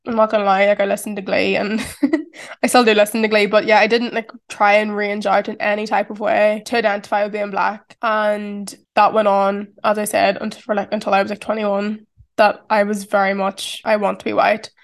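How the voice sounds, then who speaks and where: A woman's voice: medium pitch, flat delivery, normal speed, gravelly. A woman in her twenties with a strong Irish accent, talking through a casual, reflective solo podcast and saying "like" often. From Ireland. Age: 20s. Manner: chatty, reflective, heavy use of "like". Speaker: podcast host.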